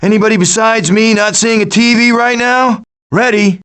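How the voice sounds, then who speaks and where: A man voicing a cocky, wisecracking raccoon who leads a band of foraging animals, with glib, sarcastic delivery in an animated video game style. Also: high-pitched, moderate pace, smooth.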